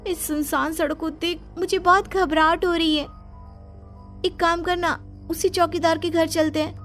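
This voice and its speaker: A jumpy young office worker who frets over every shadow, speaking in a very high, thin voice, acted by a woman. Faint music runs under this cartoon story. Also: steady tone, a little slow, a bit bright. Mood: worried. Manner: anxious, fretful.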